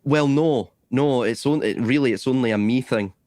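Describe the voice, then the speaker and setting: A man's voice: medium pitch, moderate pace, a little mellow, dry recording, studio quality. A man from Scotland with an Edinburgh accent, chatting casually as a stream host and often restarting his phrases. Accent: Edinburgh Scottish. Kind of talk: casual chat.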